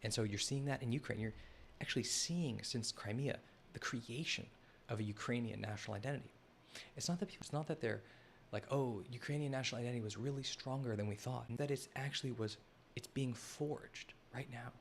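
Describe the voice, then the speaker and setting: This live analysis stream host has a mid-range male voice and speaks a little fast over a slight hiss or hum. Talking loosely over a map, he rambles, keeps restarting and correcting his sentences, and addresses the chat.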